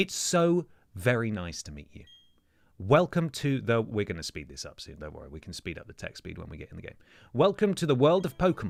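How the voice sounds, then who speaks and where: Speaking at a fairly quick pace with an English accent, a man uses vocal fry, very wide pitch swings and big swings in loudness in a very clean recording with a silent background. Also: medium pitch for a man. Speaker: video game streamer. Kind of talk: live gameplay stream. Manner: animated.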